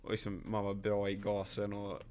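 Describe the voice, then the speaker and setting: A young Swedish man chatting casually as host, swearing freely and telling lively stories. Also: lowish voice, a little hiss or hum. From Sweden. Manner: swearing, animated storyteller. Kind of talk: casual chat.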